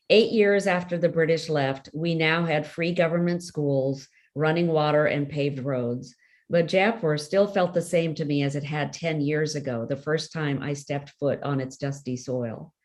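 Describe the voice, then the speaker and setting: A woman with a low voice reads literary fiction aloud as a guest author. The delivery is expressive, narrative storytelling. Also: a little slow. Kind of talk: expressive literary reading of own novel.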